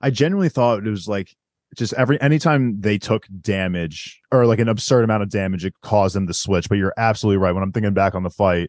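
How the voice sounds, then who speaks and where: Low-voiced enthusiastic young man. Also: fast talker, darkish tone, no echo, studio quality. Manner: enthusiastic, rambling with many fillers. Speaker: podcast co-host. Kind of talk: casual chat reviewing a TV show.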